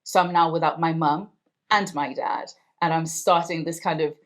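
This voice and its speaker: A woman's voice: sits low, fairly even intonation, normal speed. A woman in her thirties from Zimbabwe, whose first language is Ndebele, reflecting in a conversational way during an oral history interview. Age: 30s. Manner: reflective, conversational, warm storytelling.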